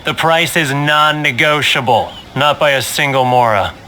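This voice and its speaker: An actor playing a rude, smug black-market vendor in a video game, sneering and dismissive. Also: male voice, mid-range voice, moderate pace, very noisy, close to an everyday voice. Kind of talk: video game dialogue acting. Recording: loud game music behind.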